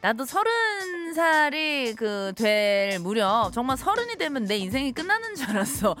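Chatty high-voiced woman radio DJ. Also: sing-song, normal speed, music in the background. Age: 30s. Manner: chatty, teasing and cheerful with listeners. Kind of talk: live radio show with studio audience.

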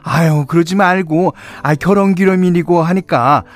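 A man's voice: fairly high pitch, moderate pace, faint music behind, voice pushed up, close to an everyday voice. A man playing a coy older wife. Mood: coaxing. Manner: wheedling, teasing complaints.

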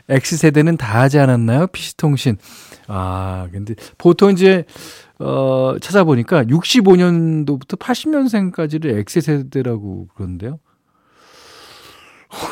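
A middle-aged man hosts a radio show, reading listener messages in a chatty way, chuckling often and using lots of fillers. His voice is on the high side with a darkish tone, and the studio microphone captures a dry sound with no room reverberation.

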